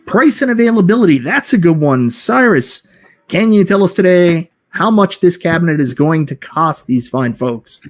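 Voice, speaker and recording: Upbeat higher-pitched male show host. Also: lively intonation, normal speed, faint music behind. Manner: upbeat, enthusiastic. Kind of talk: live-stream hosting.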